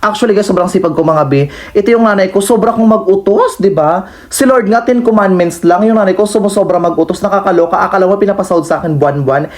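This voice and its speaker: A man's voice: sits high, fast talker, darkish tone. A young man from the Philippines doing a sassy, campy, comedic voice-over for his mukbang vlog. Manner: campy, sassy and teasing, with constant playful asides. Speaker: vlogger.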